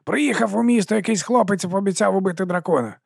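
A man voicing a shifty street vendor who talks in a loud, wheedling sales patter. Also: sits high, quick pace, vocal fry, husky, dry recording, clean studio sound, voice pushed up, full character voice. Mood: hawking. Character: shifty pushy male street sausage vendor.

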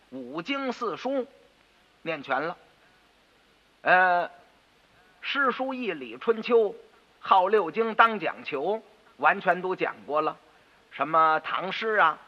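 A man telling a traditional storytelling piece, lively and rhythmic. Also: a little high. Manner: lively, rhythmic, switching between character voices. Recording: dull radio recording with long reverb.

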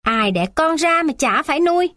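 A woman's voice: on the high side, lively intonation, moderate pace, no room sound, clean studio sound, lightly acted. A woman voicing a harsh father who talks sharply and scolds. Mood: curt.

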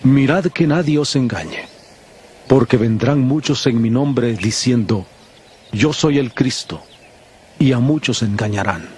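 A man performs a grave male prophet and teacher in an audio Bible drama. He declaims in a measured, solemn way, warning his followers, with music clearly playing behind him. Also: mid-range voice, close to an everyday voice.

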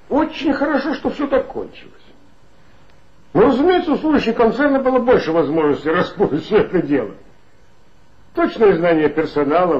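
An actor playing an authoritative male police chief in a 1960s radio play, with a smooth, insinuating, lecturing manner. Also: sits high, a little mellow. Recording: dull lo-fi old radio recording.

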